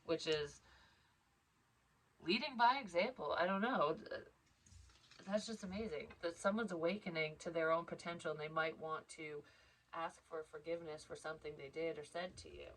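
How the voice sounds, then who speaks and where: A woman's voice: low-pitched, normal speed, fairly bright tone, rough recording. A woman giving a casual psychic reading, stuffed up and congested, rambling and interrupting herself. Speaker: psychic tarot reader.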